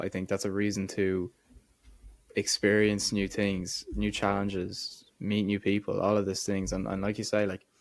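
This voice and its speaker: In an Irish accent, a man speaks at a moderate pace and a fairly low pitch with monotone, flat intonation, on a very clean recording with a silent background. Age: 20s. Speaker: podcast co-host. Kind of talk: casual chat.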